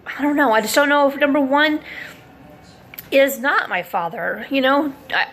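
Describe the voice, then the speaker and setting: A woman in her forties talking casually to camera, rambling with many pauses and fillers as she thinks aloud. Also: high voice, fairly bright tone. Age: 40s. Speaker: vlogger.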